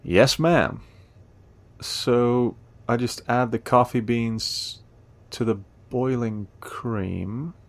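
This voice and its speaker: A man acting a friendly, playful, eager young cafe helper in a romance audio roleplay, teasing and warm in a conversational way. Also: mid-range voice, drawn-out words, dry recording. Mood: warm, earnest.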